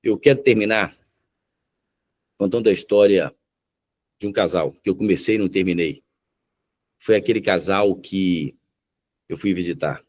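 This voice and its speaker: Brief: a low-pitched man preaching through a story, dramatic and deliberate. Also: a little mellow. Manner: dramatic, slows down for emphasis. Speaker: pastor. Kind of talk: sermon storytelling.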